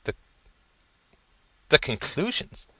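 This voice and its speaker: A man's voice: slow, bright, forceful tone, dry recording. A man doing a bemused condescending old professor. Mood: incredulous. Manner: incredulous, exclaiming.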